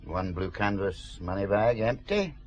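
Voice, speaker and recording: An actor playing a methodical police forensic officer who explains evidence plainly, in a radio drama. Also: male voice, fairly low pitch, very animated, measured pace. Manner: matter-of-fact, explaining.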